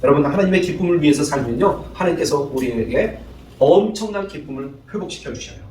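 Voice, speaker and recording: A man's voice: a little high, quick pace, reverberant, far from the mic, a little hiss or hum, poor audio. A male pastor preaching a sermon, acting out spouses' lines in changed voices and calling out to the congregation for responses. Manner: lively, calls out to the congregation for responses. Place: church sanctuary.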